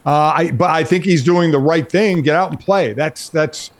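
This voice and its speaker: A man's voice: on the high side, moderate pace. A man co-hosting a casual sports discussion, repeating words as he reasons things out. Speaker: sports talk co-host.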